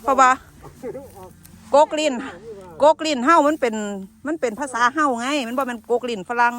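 A woman's voice: high voice, moderate pace, pushed and bright. A woman with an Isan Thai accent, chatting casually outdoors in the rice fields and laughing often. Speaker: vlogger.

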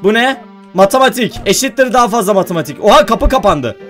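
A man's voice: high-pitched, expressive, quick pace, fairly bright tone, faint music behind. A young man doing casual let's-play commentary, talking to his viewers and yelping when he gets scared. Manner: jumpy, talks to viewers, yelps when scared. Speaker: gaming YouTuber.

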